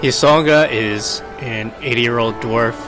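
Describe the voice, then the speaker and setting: A man playing a tabletop roleplaying game, describing his character in a measured, dryly understated way. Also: mid-range voice. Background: background music.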